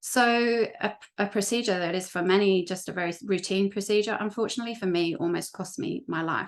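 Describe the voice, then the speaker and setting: At a fairly quick pace with hardly any pauses, the speaker uses a British accent and ordinary pitch variation against a quiet background. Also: woman, medium pitch for a woman. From UK. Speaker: transformation coach. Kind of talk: interview presentation.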